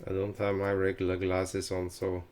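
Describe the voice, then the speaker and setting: A middle-aged Norwegian man speaking English with a Norwegian accent, hosting a casual fly-tying tutorial with halting phrasing and many fillers. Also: deep voice, completely flat delivery, darkish tone, clear, resonant tone. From Norway. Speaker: fly-tying channel host.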